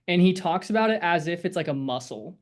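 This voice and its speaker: A man's voice: sits high, lively intonation, fairly quick. A man coaching a group on a video call, talking casually in a rambling, encouraging way with lots of fillers. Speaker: sales coach.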